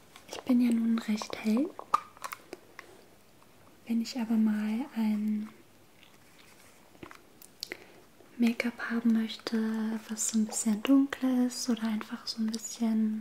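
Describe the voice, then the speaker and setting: A soft-spoken woman with a gentle tone, a flat monotone delivery, a very slow pace, long and frequent pauses, and light background noise. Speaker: beauty vlogger. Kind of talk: casual makeup product review. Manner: soft, gentle ASMR speaking voice. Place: home room. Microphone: camera far.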